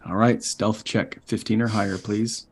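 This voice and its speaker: A man's voice: on the low side, flat delivery, moderate pace, gravelly, faint music behind. A man narrating and calling for dice checks as game master of a tabletop game. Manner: descriptive, calls for dice checks.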